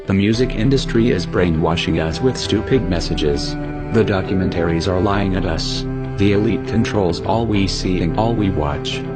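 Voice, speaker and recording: Anonymous narrator: man, voice disguised low and heavy, solemn scripted delivery. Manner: slow, grave, lecturing delivery. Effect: voice disguised to sound deep. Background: loud music.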